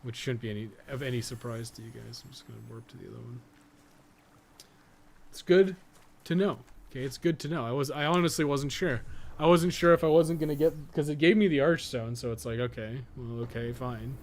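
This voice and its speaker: A man's voice: mid-range voice, a little fast, vocal fry. A man doing casual live gameplay commentary, thinking aloud and swearing freely as he plays. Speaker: game streamer and guide writer.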